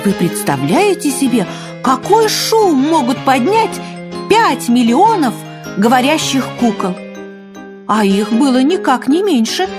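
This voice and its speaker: A woman reads a children's fairy tale in a high voice with wide, swooping intonation. Her storytelling is expressive and dramatic, and music plays behind her. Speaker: narrator.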